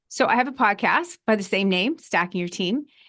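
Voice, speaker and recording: Her intonation lively and her pitch fairly high, a woman speaks with a slight Canadian accent. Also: quiet background. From Canada. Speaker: business coach and podcast host. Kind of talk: podcast interview.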